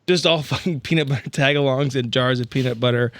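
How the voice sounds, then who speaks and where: A man's voice: medium pitch, fast, fairly bright tone, no room sound. A man bantering casually as a player on a tabletop role-play podcast, joking and swearing freely. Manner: profane, joking.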